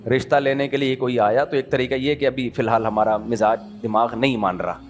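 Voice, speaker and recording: A middle-aged man from Pakistan giving a conversational sermon, throwing rhetorical questions at his listeners and acting out small everyday dialogues. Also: medium pitch. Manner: animated, asks the audience rhetorical questions and acts out little dialogues. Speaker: Islamic preacher.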